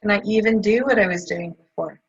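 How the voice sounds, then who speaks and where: Soft, breathy woman on muffled audio. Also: medium pitch, brisk. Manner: soft, hesitant, with fillers. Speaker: client in a tapping session. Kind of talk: repeating affirmations, then describing feelings.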